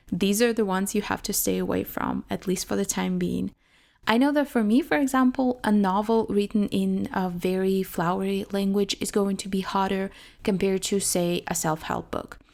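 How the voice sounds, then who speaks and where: A young adult woman whose first language is not English talks through language-learning advice in a steady, scripted vlog voice. Her delivery is clear and measured, with light emphasis at the start of each new point. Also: mid-range voice.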